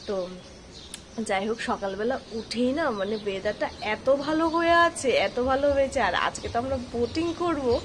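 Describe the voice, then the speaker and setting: A woman's voice: fairly high pitch, expressive, moderate pace. A woman chats familiarly to her viewers as she narrates a casual travel vlog. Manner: chatty, addresses viewers familiarly. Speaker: travel vlogger, host. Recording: clearly noisy outdoor ambience. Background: ambient noise.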